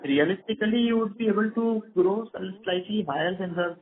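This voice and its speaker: A man's voice: high voice, a little fast. A man with an Indian accent asking questions as an analyst on a business conference call, over a telephone line. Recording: narrow tinny phone line.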